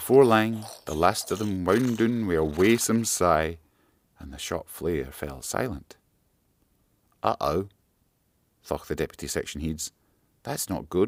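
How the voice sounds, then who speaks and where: With a very deep, low voice, a man talks at a fairly slow pace and leaves long, frequent pauses. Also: lively intonation. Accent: Scottish. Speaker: storyteller. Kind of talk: children's story narration.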